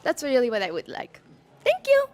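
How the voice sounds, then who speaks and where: A pageant candidate in her twenties who grew up in Macau answers interview questions bubbly, laughing between answers and mixing in Tagalog words. Her high voice swoops wildly in pitch, and she talks fairly quickly.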